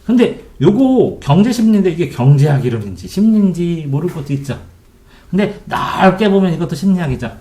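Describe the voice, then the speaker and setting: Lively middle-aged male tutor, echoey room. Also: high-pitched, fairly quick. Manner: lively, quizzing students with repeated questions. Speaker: Korean literature tutor. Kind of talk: online lecture answering student questions. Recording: echoey room, keyboard typing behind.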